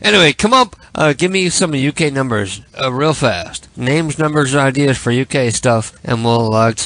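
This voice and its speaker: A man's voice: mid-range voice, expressive, normal speed, a bit bright. A drunk man hosting a late-night call-in show, rambling, giggling and crude. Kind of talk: casual late-night chat.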